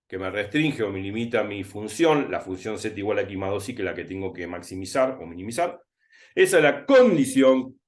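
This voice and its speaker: A man with a Rioplatense Spanish accent tutors through a recorded math lesson. He talks to himself as he writes, drawing out and repeating key words at an unhurried pace. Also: medium pitch. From Argentina. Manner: thinking aloud while writing, repeating words slowly.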